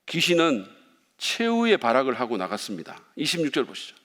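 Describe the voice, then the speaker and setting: A man's voice: mid-range voice, huge pitch swings, brisk, fairly bright tone. A male pastor preaching a sermon, playful and speaking directly to the congregation. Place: church sanctuary. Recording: long reverb of a church hall.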